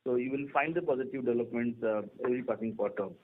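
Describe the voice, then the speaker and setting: A man with an Indian accent, a company executive answering an analyst in halting, piecemeal phrases. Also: mid-range voice, very noisy. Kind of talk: answering an analyst on an earnings call. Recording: tinny phone or radio-like line.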